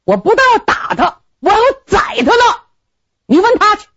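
A woman voicing a hot-tempered young male general who shouts threats in a high, strained voice. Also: big pitch swings, moderate pace, no echo, lo-fi sound, heavily acted. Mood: furious.

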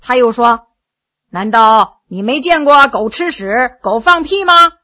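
Woman as sly, unhurried male court wit; bright, slightly husky. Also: on the high side, lively intonation, heavily acted. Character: witty middle-aged male court scholar telling jokes.

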